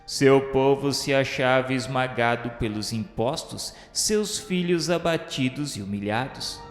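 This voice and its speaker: Male narrator, mid-pitched, solemn, literary, radio drama, echoing, faint music behind. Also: unhurried. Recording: echoey reverberant production, music bed.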